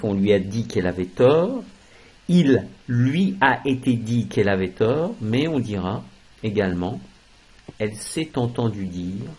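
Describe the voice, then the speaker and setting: A man teaching a French grammar lesson, explaining slowly and stressing key words, switching into English for translations. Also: on the low side, darkish tone, slightly rough, rough recording.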